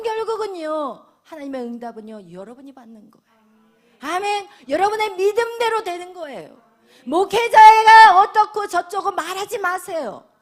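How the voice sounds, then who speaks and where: A middle-aged woman pastor from South Korea preaching a sermon. She swings from loud lines to whispers, acts out quoted voices and keeps asking the congregation questions. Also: sits high.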